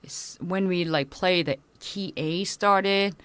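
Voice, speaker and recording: A woman in her thirties who speaks English with Korean as her first language, talking as a punk musician guest in a casual interview, halting, with many fillers and restarts. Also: on the low side, fairly bright tone, clear, resonant tone, no room sound.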